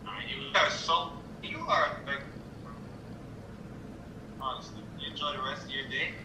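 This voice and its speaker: Slangy young man, high bright voice. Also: normal speed, reverberant, recorded from a distance, slight background noise, low-quality recording. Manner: laid-back slangy talk. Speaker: stranger on video chat app. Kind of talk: casual chat.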